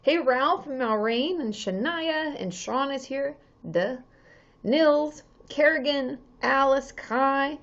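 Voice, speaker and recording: A woman in her thirties with a slightly hoarse voice, a therapist chatting casually on a live stream, greeting viewers by name with many ums. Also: high voice, slow, muffled recording.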